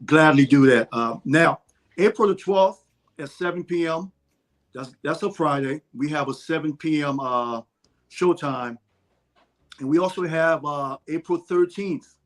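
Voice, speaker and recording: A man with a somewhat high voice speaks as a guest on a show, giving out details in a casual way. His delivery is halting, with frequent self-corrections. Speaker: interview guest promoting a stage play. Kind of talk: casual spoken announcement.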